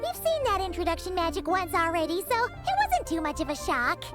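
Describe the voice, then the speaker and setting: A shrill, cheeky little companion creature. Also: female voice, very animated, over music. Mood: awkward. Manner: cheeky, quick to scold and fret. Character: tiny floating female companion creature, chirpy, blunt. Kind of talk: video game voice acting.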